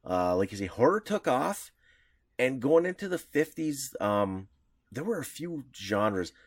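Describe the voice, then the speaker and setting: A man's voice: very animated, unhurried, no room sound. A man co-hosting a podcast, talking casually and rambling with frequent chuckles. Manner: rambling, chuckling, pitch jumping around. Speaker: podcast co-host. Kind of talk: casual chat.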